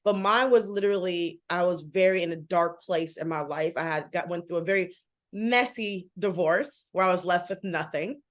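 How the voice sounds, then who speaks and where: A woman in her thirties chats as an interview guest. Her voice sits a little low, and she talks fast and animatedly with lots of "like" fillers. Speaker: guest, author and model. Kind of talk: casual interview talk.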